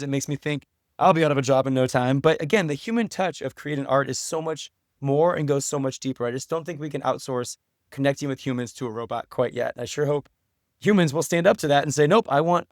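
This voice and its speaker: Earnest man with a slightly high voice, dry sound. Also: fairly quick, no echo. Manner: earnest, thoughtful. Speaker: podcast guest, writer and teacher. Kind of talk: reflective interview conversation.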